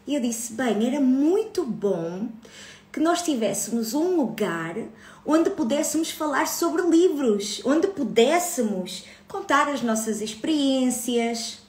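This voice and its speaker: A woman's voice: high-pitched, big pitch swings, slow, darkish tone, roomy sound. A woman in her thirties with a European Portuguese accent, hosting a casual live stream about her book club, chatty and greeting viewers. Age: 30s.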